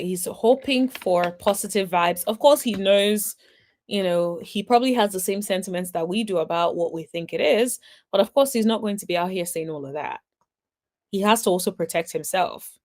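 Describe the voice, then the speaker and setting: A woman's voice: fairly low pitch, darkish tone. Chatty woman recapping celebrity gossip. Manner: chatty and opinionated, asks rhetorical questions. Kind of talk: casual commentary vlog.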